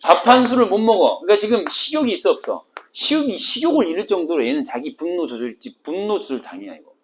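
A woman teacher lectures on a literature text in a lively, sing-song voice that swings widely in pitch. She teases and jokes with her students and slips between polite and casual speech. A faint hiss with small clicks sits under the recording. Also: fast talker. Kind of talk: exam-prep literature lecture.

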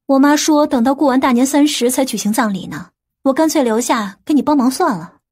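A woman acts out a fretful, excitable family woman in an audiobook drama. Her voice is high, with a breathy, husky edge. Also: fairly quick. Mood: eager. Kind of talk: audiobook character dialogue.

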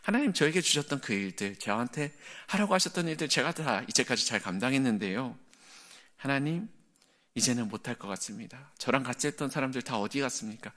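A man voicing an exhausted, despairing male prophet who pleads with God during a sermon. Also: close to an everyday voice. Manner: pleading, higher and louder than his narration.

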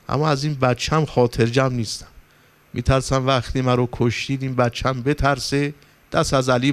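A male cleric preaching a sermon in Persian, telling stories with passion and rising to emphatic, pleading points. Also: medium pitch. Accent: Persian, from Iran. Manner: impassioned storytelling, rising for emphasis. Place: religious gathering hall.

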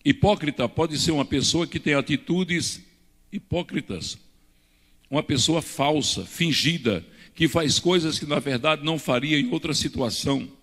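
An older male pastor delivers a teaching sermon from a pulpit, pushing his points with emphatic rises. His voice sits a touch high. It rings out with the long reverb of a church hall, picked up on a handheld mic. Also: moderate pace, a bit bright. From Brazil. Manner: preaching with emphatic rises and hand gestures. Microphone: handheld microphone.

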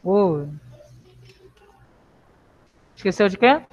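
A woman's voice: medium pitch, very animated, very slow. A Brazilian woman teaching children in a live online class, patient and reassuring, asking coaxing questions. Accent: Brazilian Portuguese. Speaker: primary school teacher. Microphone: video call. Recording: lo-fi video call audio.

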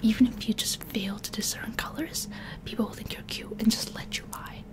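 A woman's voice: fairly high pitch, steady tone, brisk. Whispering young woman, playful ASMR. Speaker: ASMR video creator.

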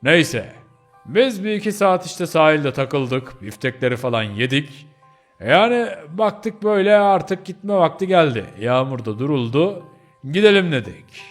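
A man's voice: fairly high pitch, sing-song, a little slow, long reverb tail, soft background music. A man voicing a white pitbull dog who tells his story with regret, as game role-play narration. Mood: rueful.

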